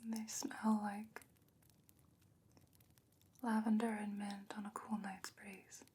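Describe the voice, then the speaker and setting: A woman playing a gentle, solemn sorceress in a whispered fantasy ASMR roleplay, breathy, hushed and measured. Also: medium pitch, little pitch movement. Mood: quietly caring. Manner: slow, measured, hushed delivery. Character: gentle, solemn sorceress sending a pirate friend off.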